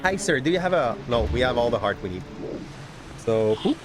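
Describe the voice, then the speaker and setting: Brief: Quebec-accented male streamer, animated rising-falling delivery, game music underneath. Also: mid-range voice, fairly quick. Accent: Québécois French. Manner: chatty, rambling, often restarts words. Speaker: gaming streamer. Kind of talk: casual gameplay commentary.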